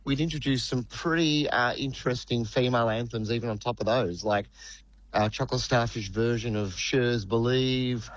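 A man's voice: medium pitch, normal speed, no room sound, dull audio. A man, a rock band singer giving a casual radio interview, chatty and loose, with many fillers and restarts.

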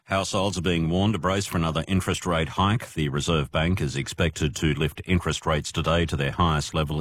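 A man with an Australian accent reading a radio news bulletin in a measured, formal way. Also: a bass voice, a bit bright. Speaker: newsreader.

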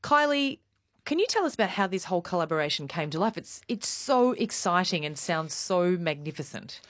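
A woman co-host gushes over her guests with lavish praise. Her voice sits a little low for a woman, and the sound is dry and close. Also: very animated, fairly quick, dry recording. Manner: effusive, gushing praise.

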